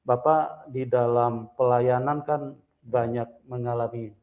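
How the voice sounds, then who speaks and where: Man, interview host, mid-pitched, slow and hesitant, muffled audio. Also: steady tone. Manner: slow, measured, with many hesitations. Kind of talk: interview, steady backchannel. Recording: dull, muffled sound.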